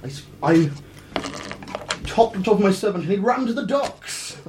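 A man improvising a boastful tall tale in character, rambling and halting as he goes. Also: high-pitched, lively intonation, darkish tone. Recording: echoey room with faint noise.

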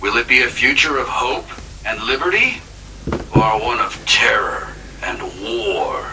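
A man narrating a game in a spooky, dramatic scripted style, hushed and often dropping to a whisper, heard from a distance. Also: mid-range voice, animated, unhurried. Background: clear background noise.

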